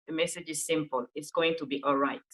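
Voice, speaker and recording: A woman's voice: sits low, fairly even intonation, a little fast, a bit bright, rough recording. A young woman from Cameroon with a French accent, French her first language, earnestly telling her personal story as an interview guest. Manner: earnest, repeats herself for emphasis. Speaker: guest, energy healer and coach.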